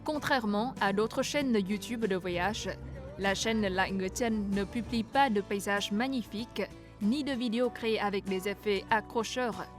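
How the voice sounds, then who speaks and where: A woman's voice: mid-range voice, measured pace. A woman reading scripted narration for a television news feature. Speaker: news reporter. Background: background music.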